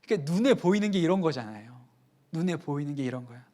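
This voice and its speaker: A man's voice: fairly high pitch, fast talker. Earnest Korean male pastor preaching. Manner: earnest preaching, acts out quoted dialogue with lively rises. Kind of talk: sermon.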